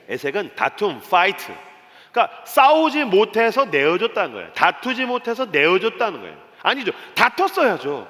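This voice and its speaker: A male pastor preaching in a church sanctuary, his high, bright voice leaping up and down as he dramatizes the story. A long reverb trails every phrase. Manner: animated, dramatizing with acted voices and sound effects. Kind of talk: early-morning sermon.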